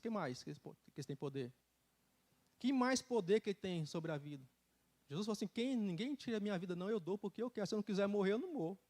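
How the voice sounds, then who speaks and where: High-voiced man preaching with fervor. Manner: animated storytelling with laughter and colloquial asides. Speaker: church speaker giving a testimony. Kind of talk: sermon testimony. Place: church sanctuary.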